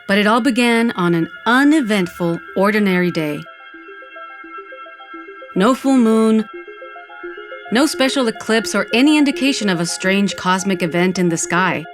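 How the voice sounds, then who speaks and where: A woman's voice: medium pitch, lively intonation, moderate pace, long pauses, soft background music, close to an everyday voice. A woman playing a wry undead Latina goth who narrates her own story in a dramatic comic audio fiction style. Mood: wry storytelling.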